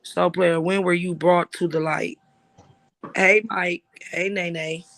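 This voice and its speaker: High-voiced man ranting on a livestream. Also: little pitch movement, slow, vocal fry, a bit bright, a little hiss or hum, rough recording. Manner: emphatic, profane, repeats "like I said". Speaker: livestream host. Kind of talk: casual livestream talk.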